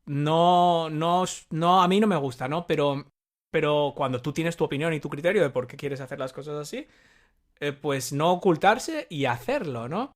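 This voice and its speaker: A man's voice: fairly high pitch, normal speed. A man hosting a podcast, asking questions with many restarts and hesitations. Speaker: podcast host, interviewer. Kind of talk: interview questions.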